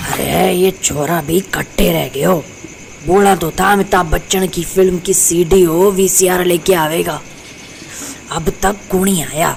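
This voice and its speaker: Over clear background noise, a put-on character voice at a middle pitch moves at a moderate pace. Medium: audio drama. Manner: rustic, commanding.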